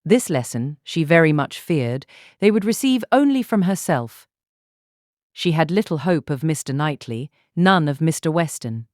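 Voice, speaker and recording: A woman reading a literary audiobook as narrator, measured and articulate. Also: sits low, animated, darkish tone, dry recording, studio quality.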